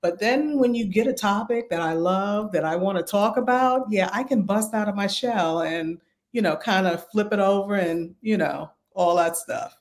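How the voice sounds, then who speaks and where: A woman with a slightly raspy voice, a pastor and relationship coach, talking as a podcast guest in a calm, measured way. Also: mid-range voice.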